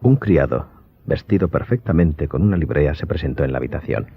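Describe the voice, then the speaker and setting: A man's voice: rumbling low, lively intonation, a little fast, slight background noise. A man narrating an audiobook drama in a scripted, suspenseful storytelling style. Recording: dull recording under clear music.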